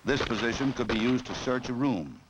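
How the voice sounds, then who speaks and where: An American man reading scripted 1960s training film narration in a formal, measured, authoritative way. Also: mid-range voice, expressive, highs cut off. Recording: noisy old film soundtrack.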